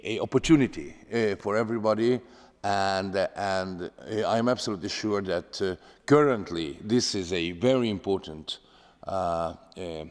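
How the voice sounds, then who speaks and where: A man in his fifties with a Hungarian accent, speaking formally and haltingly as he answers questions from a panel. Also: deep voice. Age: 50s. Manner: halting, hesitant with many pauses. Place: large parliament chamber. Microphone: gooseneck desk microphone. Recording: echoey large hall, long reverb.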